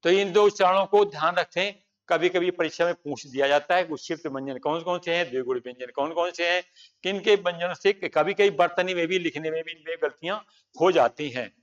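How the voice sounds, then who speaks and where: A man's voice: on the high side, fairly quick, far from the mic, lo-fi sound. A man teaching a grammar lesson for exam preparation, explaining at length and pointing out examples on the board.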